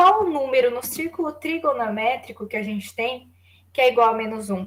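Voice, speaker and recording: A high-pitched woman's voice with lively intonation at a moderate pace. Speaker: math teacher. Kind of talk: online lecture.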